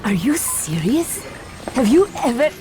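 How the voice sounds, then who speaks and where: A furious armed accuser. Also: female voice, fairly high pitch, big pitch swings, measured pace, music in the background. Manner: accusing, threatening. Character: furious defiant woman with a gun.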